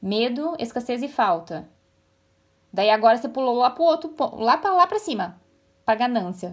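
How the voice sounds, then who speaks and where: Animated and high-pitched, a woman speaks with very wide pitch swings and long, frequent pauses. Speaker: human design teacher. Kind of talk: online class. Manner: fast.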